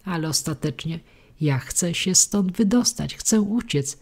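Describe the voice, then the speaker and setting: A woman voicing a hoarse, philosophical male tuna who speaks with resigned dignity in a storybook reading. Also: lowish voice, lively intonation, unhurried, darkish tone, pitched above the performer's own voice, full character voice.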